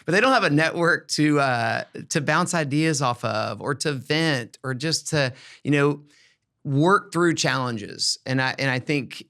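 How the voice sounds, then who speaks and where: A man's voice: a little high, animated, unhurried, creaky, pushed and bright, smooth. A man hosting a podcast, giving casual advice and often repeating words as he thinks aloud. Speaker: podcast host.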